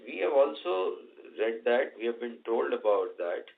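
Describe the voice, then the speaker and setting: An Indian-accented man, a company executive answering questions on an earnings call, speaking haltingly and repeating words. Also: mid-range voice, sing-song, vocal fry, slight background noise. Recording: dull band-limited conference call line.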